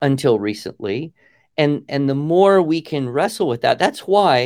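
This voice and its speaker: A normal speaking voice at a fairly slow pace with lively intonation, on a very clean recording with a silent background. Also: man. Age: 60s. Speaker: writing curriculum founder and educator. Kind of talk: interview.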